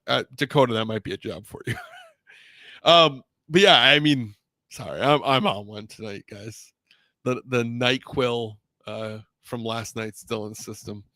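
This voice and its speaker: A man's voice: medium pitch, pushed and bright, dry recording. Chatty male sports-stream host, dry close sound. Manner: chatty and rambling, reads viewer names aloud. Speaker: host of a live sports show. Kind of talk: casual live-stream sports chat.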